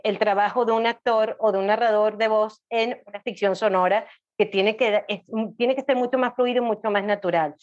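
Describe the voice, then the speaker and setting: A woman guest explaining things casually and talkatively, often checking in with little tag questions, on a slightly dull recording. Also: medium pitch. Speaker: podcast guest, audiobook specialist.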